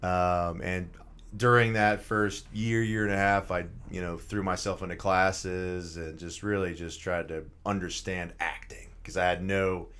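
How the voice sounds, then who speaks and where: A man's voice: deep voice, flat delivery, unhurried, fairly bright tone, clean tone. A young man from Georgia in the US, an actor and filmmaker guest, talking through his story in a loose, rambling way with plenty of fillers. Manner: rambling, lots of fillers, laughs easily. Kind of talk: casual interview chat.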